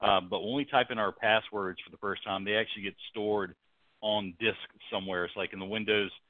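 At a very fast pace, a man talks in a fairly low, flat monotone. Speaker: security expert and author. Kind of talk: webinar presentation. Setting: virtual summit.

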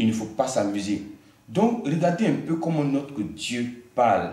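With audible room echo around him, a man speaks in very wide pitch swings. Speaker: bishop. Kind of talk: preaching. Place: studio.

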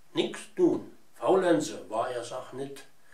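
A man with a Hunsrück accent, very wide pitch swings and audible room echo. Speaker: dialect author. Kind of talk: dialect word explanation. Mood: calm, warm storytelling. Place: home room. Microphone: camera far.

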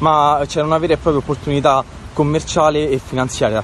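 Over light background noise, a man with an ordinary speaking voice talks at a fairly high pitch and a fairly quick pace, the sound dry with no echo. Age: 20s. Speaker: direct sales distributor. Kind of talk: testimony. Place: open country. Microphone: phone near.

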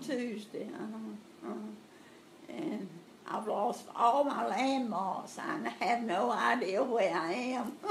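A woman's fairly high voice in a coastal North Carolina accent, lively intonation at a very slow pace, noticeable background noise behind her. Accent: coastal North Carolina Southern. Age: 80s+. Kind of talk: oral history interview answer.

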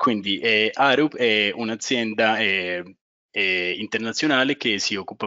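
This man speaks with a Spanish accent. His pitch is fairly low. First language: Spanish (speaking Italian). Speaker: geotechnical engineer. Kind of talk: webinar presentation. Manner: hesitant, many fillers.

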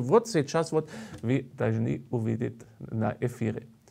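A man's voice with vocal fry and a German accent. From Germany. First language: German (speaking Russian). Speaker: TV interviewer. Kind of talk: interview. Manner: hesitant with filler sounds. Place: studio. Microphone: lapel.

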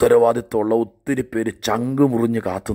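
Intonation stays fairly even in a dark, mellow tone. Behind it the background is silent, and the recording is very clean. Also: man. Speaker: pastor. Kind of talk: sermon. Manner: measured, with pauses.

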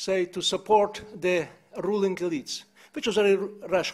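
Faint music plays in the background as a man with a high pitch speaks with a Ukrainian accent. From Ukraine. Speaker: historian, professor; professor. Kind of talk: panel discussion. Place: hall. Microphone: studio mic.

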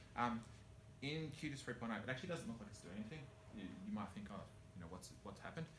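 Talking at a very fast pace, a man uses lively intonation at a medium pitch, yet stops for long, frequent pauses. Noticeable background noise is present. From Australia. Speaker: software developer. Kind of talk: conference talk. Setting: stage with audience. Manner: casual with many fillers. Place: classroom. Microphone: camera far.

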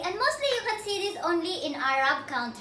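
Audible room echo and light background noise surround a woman speaking at a moderate pace in a bright, sharp tone. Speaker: cooking vlogger. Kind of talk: casual vlog chat. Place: kitchen.

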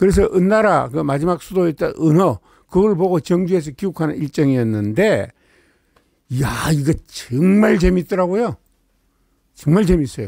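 With a dark, mellow tone and a high pitch, a man speaks at a moderate pace with lively intonation and long, frequent pauses, in a dry sound with no echo against a quiet background. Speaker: author, retired professor and former minister; retired professor, former minister. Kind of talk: book launch speech. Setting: event hall with audience. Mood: warm, animated storytelling. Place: meeting room. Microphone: handheld.

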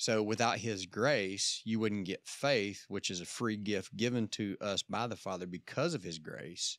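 At a moderate pace with ordinary pitch variation, the voice comes through dry with no echo against a quiet background. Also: man, fairly low pitch for a man. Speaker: podcast co-host. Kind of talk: casual chat. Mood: thoughtful, calm. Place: studio. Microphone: studio mic.

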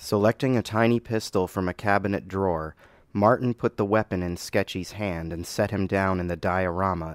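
The words are read aloud. The voice is natural.

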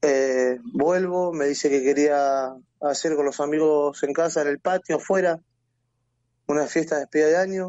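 The speaker holds a moderate pace with very even loudness. The intonation stays fairly even. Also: man, fairly high pitch for a man. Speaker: grieving father of a murder victim. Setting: phone call. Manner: halting, choked, repeating phrases, trailing off mid-sentence.

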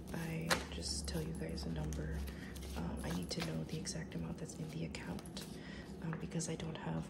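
Loud background noise fills the clip while a woman talks at a medium pace. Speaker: budgeting content creator. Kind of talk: casual talk to camera.

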